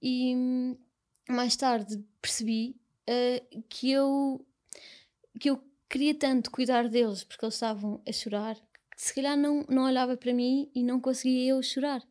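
A young woman with a European Portuguese accent, speaking as an interview guest in a soft, halting, reflective way. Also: sits high, fairly even intonation. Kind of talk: personal conversation.

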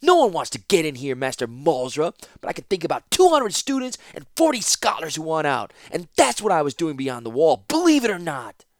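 A man voicing an impulsive young male student, shouting and stammering in a rush. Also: sits high, big pitch swings, no room sound, pitched above the performer's own voice. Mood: furious. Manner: shouting, breathless rushing, stammering.

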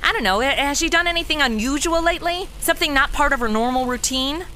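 A woman's voice: sits high, fast talker, bright, forceful tone, slight background noise. A woman playing a brash, flippant twenty-something amateur detective in a comedy audio drama, with sassy, slangy delivery. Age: 20s. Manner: sassy, slangy, self-absorbed wisecracking. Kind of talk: comedy audio drama acting with wry narration.

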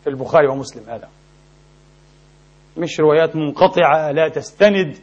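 A man preaching a sermon in a mosque, impassioned and emphatic, with sharp rises in his delivery. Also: a little high, fairly quick. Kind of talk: Friday sermon. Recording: dull lo-fi recording.

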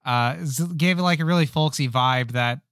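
A man co-hosting a podcast, chatting casually about game demos in a relaxed, rambling way with plenty of fillers. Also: mid-range voice, moderate pace, clean tone, no room sound, studio quality. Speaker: podcast co-host.

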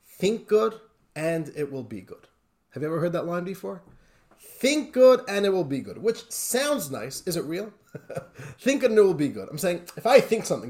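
A man teaching a Torah class, telling a story in a lively, conversational way with emotional emphasis. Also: a little high.

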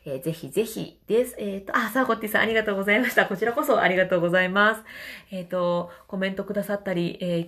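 A middle-aged woman with a Kansai accent, a vocal trainer chatting and laughing often on a casual livestream voice lesson. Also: a bit bright. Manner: chatty, laughs often, demonstrates falsetto vowels.

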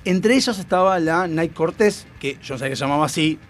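A man's voice: fairly high pitch, fast. A young man with a Rioplatense Spanish accent telling a story in casual, crude slang and acting out quotes. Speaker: storyteller host.

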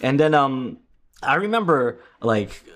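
A man's voice: medium pitch, big pitch swings, measured pace, fairly bright tone. A man in his thirties from the Philippines, hosting a casual podcast and telling stories with many fillers and restarts. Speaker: podcast host.

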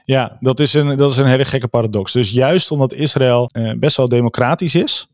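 A man's voice: medium pitch, brisk, no room sound, studio quality. A man talking through a political report in a casual discussion, hesitant, with many fillers and restarts.

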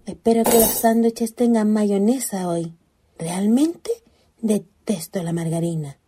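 A woman's voice: medium pitch, slow, mellow, husky. A woman doing a bratty chattering little girl. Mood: chatty.

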